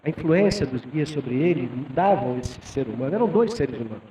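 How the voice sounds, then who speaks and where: A man's voice: on the high side, animated, a little fast, mellow. A man in his fifties from Brazil giving a lecture and telling a personal story in a conversational way, often tagging his sentences with a questioning "né?". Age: 50s. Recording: echoey hall from far off with faint noise.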